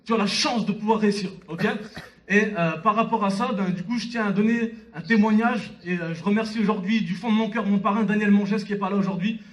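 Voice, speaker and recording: A high-pitched young man talks quickly on stage in a conference hall, giving a motivational speech with personal anecdotes at a network marketing conference. He speaks directly to the audience with repeated check-in tags. The live recording is distant from the mic, and the highs are cut off.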